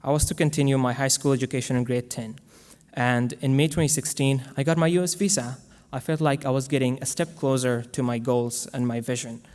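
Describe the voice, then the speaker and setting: A young man from Afghanistan, giving an earnest, measured prepared speech as guest speaker to a school audience. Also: medium pitch, fairly even intonation, darkish tone. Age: young adult. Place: large school hall. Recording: long hall reverb.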